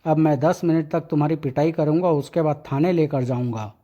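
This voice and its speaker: A man's voice: fairly high pitch, steady tone, brisk, dark tone, muffled recording, natural voice. A man doing a blustering comic constable. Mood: boastful. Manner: boastful, threatening, coarse insults.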